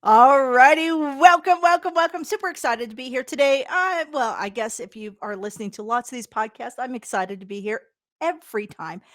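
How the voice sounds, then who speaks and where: A woman hosting a podcast interview, bubbly and energetic, talking with many fillers and restarts. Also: high voice, brisk. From Canada. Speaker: podcast host.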